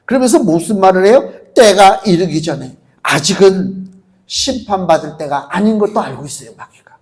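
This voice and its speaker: A middle-aged man preaching a sermon as pastor, emphatic and animated, acting out quoted voices as he speaks. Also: sits high, normal speed. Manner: emphatic preaching, acts out quotes of demons and Jesus.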